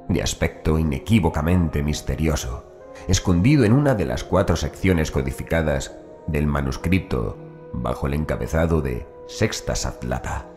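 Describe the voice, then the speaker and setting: A man with an extremely low voice narrates a horror story. It is a scripted audiobook reading with music playing behind him. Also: a little mellow.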